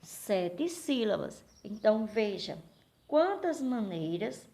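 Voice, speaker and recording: A woman teacher with a Brazilian accent gives a recorded lesson for young children, slowly asking questions and answering them herself. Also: medium pitch, sing-song, warm tone. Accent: Brazilian Portuguese. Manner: slow, patient, asks questions and answers them.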